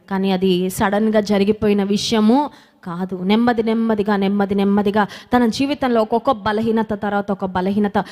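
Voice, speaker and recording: A woman's voice: on the high side, a little mellow. A woman preacher, giving a sermon and leading prayer, repeating phrases and asking herself questions. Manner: repeats phrases, asks and answers her own questions, drops into English. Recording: long hall reverb with music behind.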